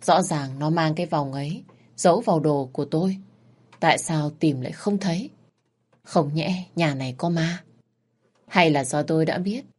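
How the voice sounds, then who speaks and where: Woman with a low voice narrating a drama story, steady. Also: normal speed, slightly rough. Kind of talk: first-person storytelling.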